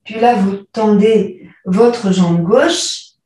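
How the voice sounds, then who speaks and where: A woman yoga teacher guiding a class through postures, calmly cueing breath and movement step by step. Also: medium pitch, extremely slow, far from the mic. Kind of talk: guided yoga class instruction. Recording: echoey room, voice from afar.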